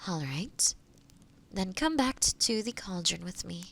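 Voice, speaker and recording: A woman playing a kind, gentle witch in a fantasy audio roleplay, speaking to the listener in a reassuring, explanatory way. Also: fairly low pitch, animated, a little slow, gravelly, heavily acted. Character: kind, gentle forest witch guiding a transformation.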